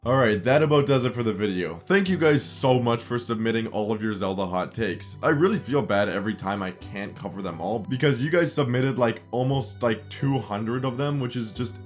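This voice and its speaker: A man's voice: medium pitch, expressive, normal speed, few pauses. A young man hosting a video, reacting to viewer opinions in an earnest, enthusiastic way, his voice a little off from a recent cold. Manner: earnest, enthusiastic, repeats words for emphasis. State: recovering from a cold. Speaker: video host. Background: faint guitar music.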